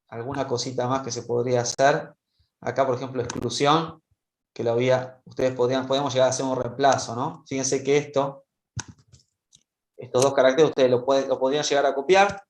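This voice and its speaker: A man's voice: medium pitch, moderate pace, a little hiss or hum. A male teacher walking students through a spreadsheet exercise in an online class, patiently checking in with them as he goes. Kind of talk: online class screen-share demonstration. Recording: roomy echo.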